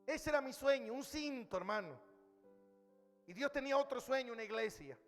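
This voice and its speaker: A man's voice: extremely high pitch, lively intonation, normal speed, fairly bright tone, in a large hall, faint music behind. A male pastor preaching a sermon, emphatic, calling his listeners brother. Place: church hall.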